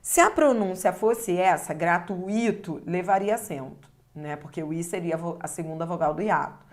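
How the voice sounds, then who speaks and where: A woman speaks at normal speed in a lowish, slightly mellow voice while teaching grammar in a video. Her explanations proceed step by step. She checks the listener is following with tag questions.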